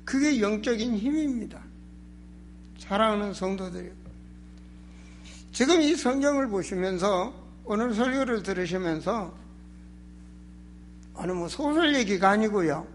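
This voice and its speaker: A man's voice: sits high, animated, unhurried, long pauses, slight background noise. A man preaching a sermon as a pastor, emphatic and exhorting, with rhetorical questions and a strained, sore throat. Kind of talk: sermon in Korean church.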